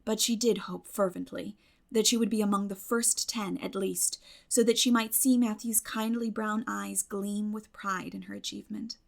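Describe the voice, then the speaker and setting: A woman audiobook narrator reading literary fiction expressively, with measured storytelling phrasing. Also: medium pitch, steady tone, vocal fry.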